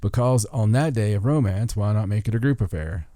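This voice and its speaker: Mellow, low-voiced man hosting casually. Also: fairly quick, dry recording. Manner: folksy, self-interrupting, stumbles over foreign words. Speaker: podcast host. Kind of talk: reading listicle aloud with casual joking asides.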